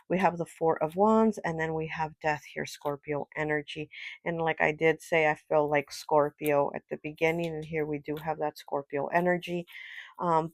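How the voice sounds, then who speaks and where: Tarot reader, nasal and stuffy from a cold, gravelly, flat delivery, dry close mic. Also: mid-range voice, no room sound, low-quality recording. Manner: chatty, rambling, frequent fillers and little laughs. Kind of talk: casual tarot card reading.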